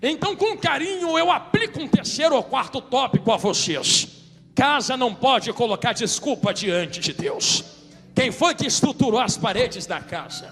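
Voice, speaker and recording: A man's loud shouting at an extremely high pitch, with very wide pitch swings, a fairly slow pace and music in the background. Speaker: pastor. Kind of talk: sermon.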